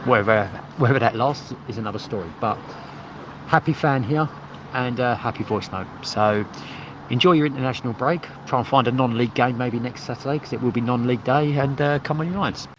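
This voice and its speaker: A man's voice: mid-range voice, fairly quick. Noisy muffled street voice note, guy, football fan chatting casually. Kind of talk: casual spoken voice message.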